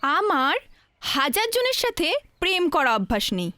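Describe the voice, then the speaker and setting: A woman's voice: high-pitched, very animated, measured pace, pushed and bright, no echo, heavily acted. An actress playing a modest young college girl, loyal to one boyfriend, chatting and defending herself in a film scene. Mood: chatty. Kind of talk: Bengali film dialogue. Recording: film soundtrack with faint music.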